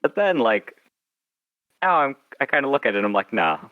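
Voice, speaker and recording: A man's voice: mid-range voice, very animated, brisk, dry recording, phone-quality sound. A man speaking as an author being interviewed, chatting informally and often slipping into imagined quotes to make his point. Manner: informal, acts out imagined lines of dialogue. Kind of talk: casual interview chat.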